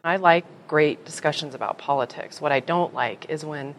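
A middle-aged woman from Colorado speaks in a conversational way, peppering her talk with "you know". Her voice sits very low for a woman. A faint hiss of noise lies under her. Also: moderate pace, low-quality recording. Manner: chatty, frequent "you know". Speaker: guest. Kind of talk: conversational interview.

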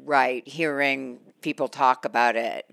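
A woman's voice: very deep voice, steady tone, measured pace, vocal fry, fairly bright tone, no room sound. An American woman hosting a public radio show, reading scripted introductions and putting questions to a guest. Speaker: radio host. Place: radio studio.

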